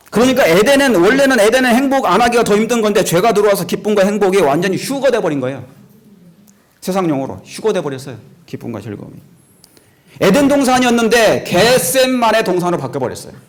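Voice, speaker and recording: This man talks at a very fast pace in an animated tone. His high pitch swings very widely, with audible room echo. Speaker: pastor. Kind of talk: sermon.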